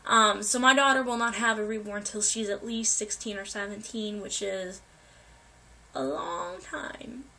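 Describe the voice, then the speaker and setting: A woman's voice: medium pitch, steady tone, unhurried, sharp tone, rough recording. A young woman vlogger getting over a cold, chatting casually to her viewers with many ums and restarts. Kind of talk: casual life update to viewers.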